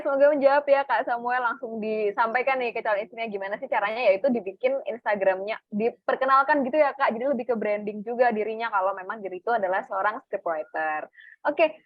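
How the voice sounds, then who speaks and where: A woman's voice: on the high side, dry recording. Upbeat young woman moderating a webinar. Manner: upbeat, reads out questions. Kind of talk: hosting a Q&A. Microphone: video call. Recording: muffled dry call audio.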